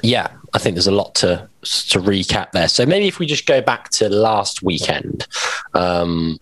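A man's voice: deep voice, big pitch swings, a little slow, a bit bright, no room sound. A man co-hosting a podcast, talking in a rambling, hesitant way with plenty of ums. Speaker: podcast co-host. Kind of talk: casual chat.

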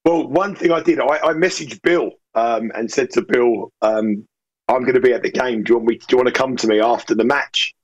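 A man from England with a croaky voice from losing it, chatting as a soccer guest, laughing and restarting his sentences. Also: mid-range voice, brisk, dull audio. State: hoarse, lost voice. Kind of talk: casual chat.

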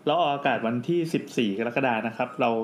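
Guy hosting a chatty podcast, talks fast, cracks jokes, laughs a lot. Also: medium pitch, background noise. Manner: quick, jokey, laughs often. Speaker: podcast host. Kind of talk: casual chat.

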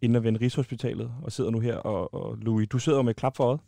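Excitable Danish podcast host. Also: male voice, mid-range voice, vocal fry, dry recording. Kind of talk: on-location comedy reportage.

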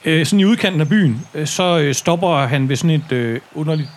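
Hesitant game master with a higher voice. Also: male voice, a little hiss or hum. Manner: hesitant, many fillers and restarts, laughs often. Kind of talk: narrating a tabletop game.

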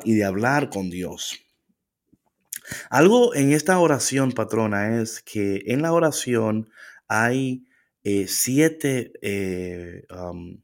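A man co-hosting a casual faith talk, animated and slipping into English phrases. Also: on the low side. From Latino. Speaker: co-host.

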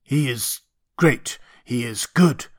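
A man's voice: medium pitch, takes it slowly. A man voicing a timid, awestricken monkey man in an audiobook story, questioning and fearful in manner. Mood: fearful awe.

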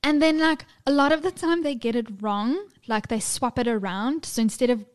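A woman's voice: sits high, normal speed. A woman, co-hosting a podcast in casual chat, sweary and laughing often. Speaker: podcast co-host.

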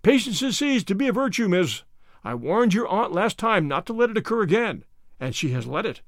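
A man's voice: high voice, big pitch swings, brisk, no room sound, clean studio sound. A man voicing an irate, stout, bald middle-aged farmer who splutters and blusters in an audiobook story. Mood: furious.

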